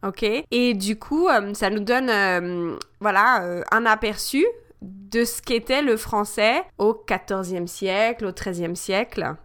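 A woman from France hosting a conversation about the French language, listening closely and answering with soft affirmations. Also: mid-range voice, takes it slowly. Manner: attentive, frequent soft affirmations. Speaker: podcast host, French teacher. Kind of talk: casual conversation.

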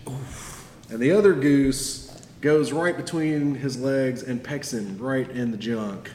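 A game master narrates the action slowly, with an amused and unhurried delivery. The room is echoey with a long tail, and faint ambience sits behind his voice. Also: medium pitch, darkish tone, a little hiss or hum.

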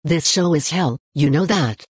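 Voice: mid-range voice, measured pace, husky. A performer voicing a snappy, sarcastic female robot toaster oven in a comedy podcast, curt and snide.

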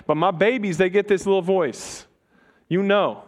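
Casual, quick-talking young male preacher. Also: high voice, fairly even intonation. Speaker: pastor. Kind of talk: sermon.

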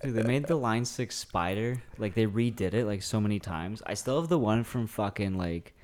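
A young man with a slightly low voice chats on a podcast. He keeps it loose and jokey, swears freely and laughs often. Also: moderate pace, darkish tone. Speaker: podcast co-host, band member. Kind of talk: casual chat.

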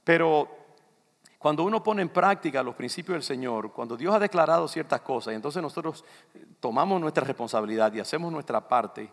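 A man's voice: on the high side, expressive, brisk. An older man from the Dominican Republic with a Dominican accent, preaching a loose, conversational sermon that keeps turning to the congregation. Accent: Dominican Spanish. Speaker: pastor. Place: church sanctuary. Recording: long reverb of a church hall.

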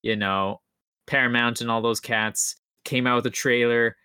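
A man with a bright, forceful voice at middle pitch chats on a podcast panel. He thinks aloud, often repeating phrases as he goes. The recording is very dry. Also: fairly even intonation, normal speed, smooth, dry recording. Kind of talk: casual chat.

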